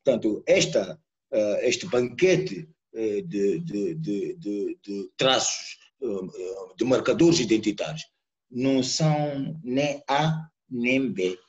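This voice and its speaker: A man's voice: on the low side, lively intonation, slow, darkish tone, lo-fi sound. Mozambican man with a musing delivery. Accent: Mozambican Portuguese. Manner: searching, repeats words while thinking. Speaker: guest speaker, poet and sociologist. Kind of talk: reflective lecture-style talk. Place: home, live online talk. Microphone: computer or phone mic on a video call.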